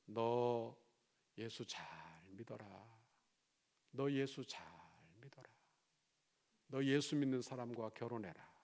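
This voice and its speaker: A man's voice: mid-range voice, darkish tone. A man quoting a frail old grandmother. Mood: pleading. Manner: slow, faint, repeating the same plea. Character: frail dying old grandmother, gentle and insistent.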